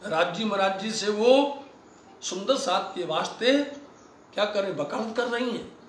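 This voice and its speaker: A man's voice: sits high, measured pace, a bit bright, a little hiss or hum. A male preacher gives a devotional sermon, chanting scripture lines and then explaining them with fervor to the gathered listeners. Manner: addresses the listeners repeatedly. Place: religious festival gathering. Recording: echoey hall, voice from far off the mic.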